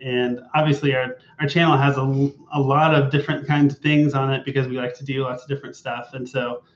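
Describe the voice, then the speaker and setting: A young adult man co-hosting a casual live-stream chat, relaxed and informal. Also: mid-range voice, fairly quick. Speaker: vlog co-host. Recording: roomy, slightly dull live-stream audio.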